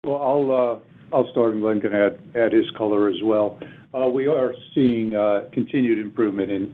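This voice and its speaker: A man with a low-leaning voice answers analysts as a company executive. His delivery is deliberate and halting, with repeated words. It comes over a thin, phone-like conference line. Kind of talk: earnings call answers.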